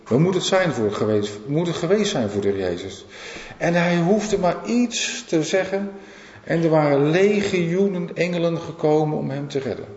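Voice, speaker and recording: A man's voice: medium pitch, darkish tone. A man preaching a sermon earnestly, repeating phrases for emphasis and asking the listeners questions. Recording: echoey hall, dull lo-fi sound.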